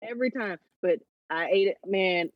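A woman in her thirties co-hosting a podcast, telling stories in a relaxed, laid-back way. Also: medium pitch, moderate pace, dry recording, highs cut off. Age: 30s. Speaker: podcast co-host. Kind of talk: casual podcast chat.

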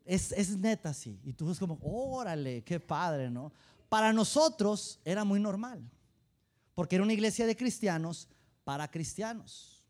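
Animated Mexican pastor with a high voice. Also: male voice, normal speed. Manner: animated, humorous storytelling, direct address to the congregation. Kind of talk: sermon.

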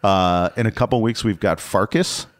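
A man co-hosting a podcast, making deadpan, understated jokes. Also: fairly low pitch, normal speed, dry recording, studio quality. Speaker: podcast co-host. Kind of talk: casual chat.

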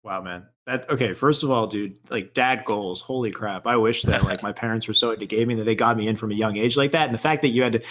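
A man hosting a stream show, upbeat and enthusiastic, firing off quick affirmations while interviewing a guest. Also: lowish voice, a bit bright.

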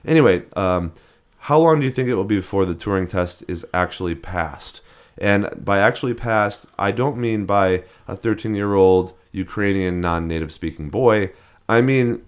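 Low-voiced man rambling in casual chat. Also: clean tone. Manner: rambling, many restarts and fillers, laughs at odd names. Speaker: podcast co-host.

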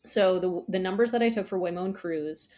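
A woman's voice: lowish voice, a little fast, darkish tone. A woman giving conversational analysis, explaining step by step and posing questions that she then answers. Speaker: analyst guest on an investment show.

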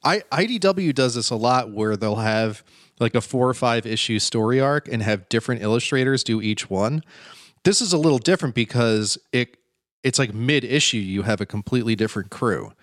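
A man's voice: mid-range voice, expressive, moderate pace, fairly bright tone, no room sound, studio quality. A man co-hosting a podcast, chatting and rambling casually about comics. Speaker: podcast co-host. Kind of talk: casual comic book discussion.

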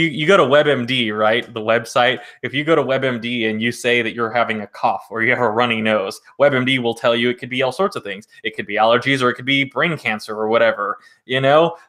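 A man's voice: mid-range voice, fairly quick, hardly any pauses, a bit bright. A man who co-hosts as a vocal coach, explaining patiently with everyday examples in casual chat.

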